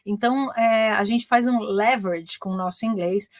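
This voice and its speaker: A woman's voice: mid-range voice, normal speed, dry recording, clean studio sound. Bilingual woman teaching live. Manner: switches between Portuguese and English, repeats each point in both. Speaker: English teacher and communication coach. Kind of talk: live-streamed bilingual class. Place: her home, living in England.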